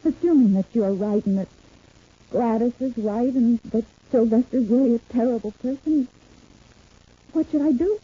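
An anxious, gentle young woman in an old radio serial. She speaks earnestly and pleadingly in a slightly high, husky voice, on a narrow phone-like recording. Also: normal speed. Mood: troubled. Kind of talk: vintage radio soap opera acting.

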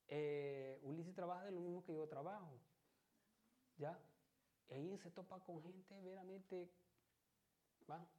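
A man's voice: on the high side, mellow. A man preaching a church sermon in a conversational way, often checking in with his listeners. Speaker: lay preacher.

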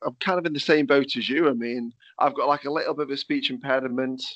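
A man's voice: mid-range voice, steady tone, quick pace, fairly bright tone, dry recording. A man with a slight lisp hosting a podcast, asking rambling questions full of fillers. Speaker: podcast host. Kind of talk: casual chat. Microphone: remote call. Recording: dull lo-fi call audio.

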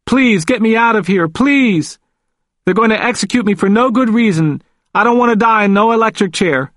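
A male narrator plays a confused, vulnerable old man from an audiobook. The voice is pitched well up and swings widely. He speaks emphatically in folksy, repetitive phrases, and the sound is close and dry. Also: sing-song, moderate pace, a bit bright, no echo. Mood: panicked, pleading. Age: older. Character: confused, frightened elderly man pleading in hospital.

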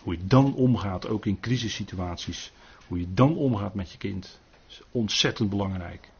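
A man's voice: lowish voice, moderate pace, a little mellow, slightly rough, dull audio. An older man leading an informal Bible study, earnest, often adding tag questions and restarting his sentences.

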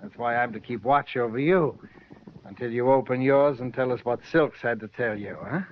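A man playing a menacing crook who talks slowly and theatrically about money, in 1950s radio drama style. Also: medium pitch, a little hiss or hum, natural voice. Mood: silky menace. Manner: slow, purring, theatrical. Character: silky, menacing male crook obsessed with money. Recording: dull vintage radio recording.

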